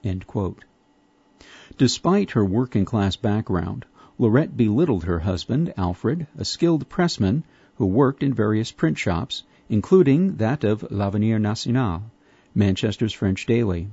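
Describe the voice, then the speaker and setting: A man reads an article aloud in a measured, formal manner with steady phrasing. His voice sounds dark and slightly husky. The recording is dry, dull and lo-fi. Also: on the low side, no room sound. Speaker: reader of a magazine article. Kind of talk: scripted narration.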